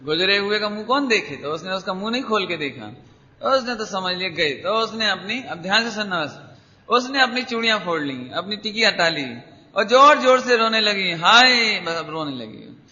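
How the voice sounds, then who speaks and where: Male preacher, high and sharply bright, emphatic teaching style with repetition, long hall reverb. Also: animated, normal speed. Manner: emphatic, repeats key words, urges listeners to attend. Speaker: Jain preacher. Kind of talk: spiritual discourse with a story. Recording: dull lo-fi hall recording.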